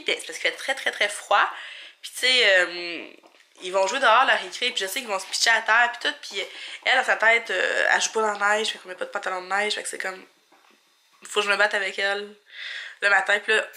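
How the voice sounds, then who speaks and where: A young mother with a Quebec French accent and a stuffed-up nose vlogs from home, chatting casually and thinking aloud. Her mid-range voice sounds pushed and bright, and her talk rambles in an informal way.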